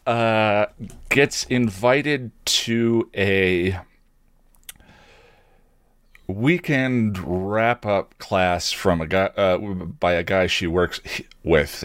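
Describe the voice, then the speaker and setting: A man's voice: low-pitched, no echo, clean studio sound. A man hosting a casual solo podcast, talking in a digressive, self-deprecating way and often correcting himself mid-thought. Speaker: podcast host.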